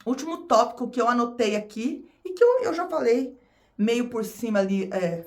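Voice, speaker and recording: Brazilian-accented woman vlogger, high pitch, casual and talkative to camera. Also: very animated, moderate pace. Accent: Brazilian Portuguese. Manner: chatty, repeats phrases, addresses viewers as "gente".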